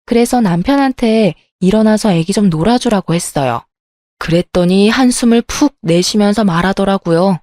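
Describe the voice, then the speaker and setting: A woman's voice: medium pitch, moderate pace, warm tone, no room sound. A woman reading a first-person family story in a confiding, emotional way.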